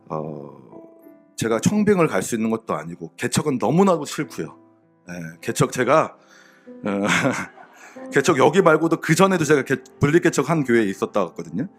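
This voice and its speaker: A middle-aged male pastor delivers a sermon and shares a personal testimony in a medium-pitched voice. His manner is candid and conversational, with fillers and soft laughs.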